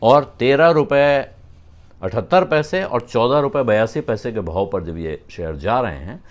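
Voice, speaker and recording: A man giving conversational business news commentary, explaining financial terms and pausing often with "uh". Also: lowish voice, animated, lo-fi sound.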